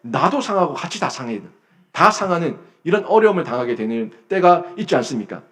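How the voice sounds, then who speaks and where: A man from South Korea preaching a church sermon, emphatic, rising to loud bursts and then dropping low. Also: sing-song, brisk. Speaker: pastor. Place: church sanctuary.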